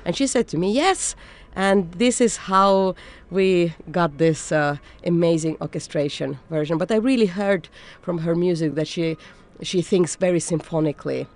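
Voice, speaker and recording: Conductor woman raised in Finland, earnest interview answers, gravelly edge, halting phrasing. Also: low voice, a little mellow. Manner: earnest, searching for words with restarts.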